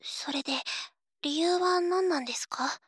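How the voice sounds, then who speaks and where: A woman's voice: very high voice, unhurried, no room sound, studio quality. A woman voicing a prim, stubborn and easily flustered young woman in an intimate audio drama, speaking politely and formally with hesitant scolding. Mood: gently scolding. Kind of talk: Japanese audio drama, intimate role-play to listener.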